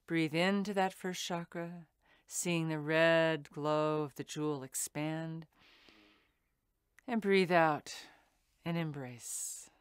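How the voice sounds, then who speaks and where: A woman meditation teacher leading a guided meditation in a soothing, deliberate way with pauses between phrases. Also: low voice, clear, resonant tone, no room sound, clean studio sound.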